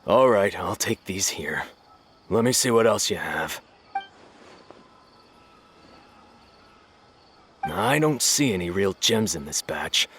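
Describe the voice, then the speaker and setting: A man playing a surly, defiant black-market buyer in a video game, gruff and argumentative with casual slang. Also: deep voice, lively intonation, unhurried, fairly bright tone, a little hiss or hum. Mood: grumbling.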